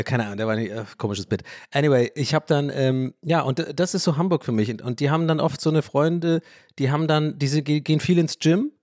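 A man hosting a podcast, talking in a rambling, animated way, often interrupting himself and laughing. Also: fairly high pitch, no room sound, clean studio sound. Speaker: podcast host. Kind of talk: casual podcast monologue.

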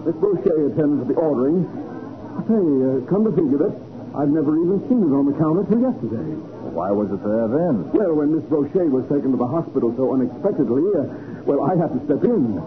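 An actor playing a brisk, commanding private detective in a 1940s radio drama. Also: male voice, a little high, animated, crowd noise, close to an everyday voice. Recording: tinny old radio broadcast with hiss.

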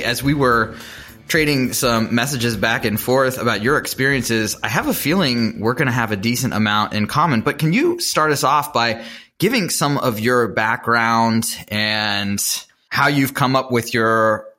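A man hosting a podcast, reading sponsor ads in a smooth scripted way and introducing his guest. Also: mid-range voice, pushed and bright. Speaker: podcast host. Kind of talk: read ads and interview intro.

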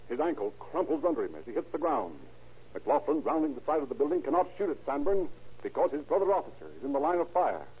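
In a dull, muffled old radio recording, a man narrates a crime drama in a scripted, dramatic style. His voice is husky and fairly high in pitch.

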